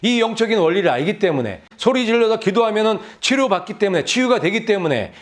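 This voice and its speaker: Male pastor, sermon delivery, high voice, urges the listeners with rhetorical questions and repetition. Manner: exhorting, with rhetorical questions and repeated phrases; addresses the congregation directly.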